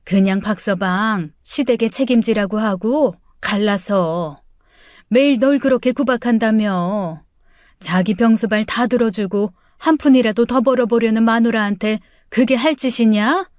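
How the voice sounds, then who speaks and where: A woman's voice: on the high side, a little slow, darkish tone, no room sound, studio quality, close to an everyday voice. A woman putting on a blunt older mother. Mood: scolding. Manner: blunt, scolding. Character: older mother urging her daughter to divorce.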